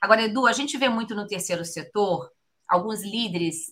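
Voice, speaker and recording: A woman speaks at medium pitch and a moderate pace. Her tone is bright and sharp, with lively intonation. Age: 50s. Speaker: podcast host, HR expert. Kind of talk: interview conversation.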